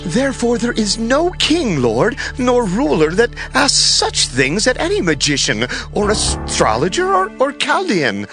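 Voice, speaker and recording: Deferential ancient court sage: formal pleading, big pitch swings, scripture drama with clear music underneath. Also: male voice, wildly swooping pitch, unhurried, hardly any pauses, exaggerated voice. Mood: protesting, pleading.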